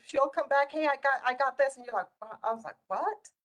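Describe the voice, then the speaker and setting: A woman's voice: high-pitched, fairly quick. A middle-aged woman, a native Spanish speaker, telling stories in a casual, conversational way and acting out quoted dialogue. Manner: animated retelling with quoted dialogue. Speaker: community volunteer sharing life stories.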